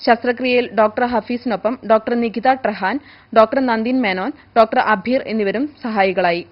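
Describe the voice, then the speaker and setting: Female newsreader, fairly high voice, formal measured script delivery, slightly dull lo-fi audio. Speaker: news reader. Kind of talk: scripted news narration.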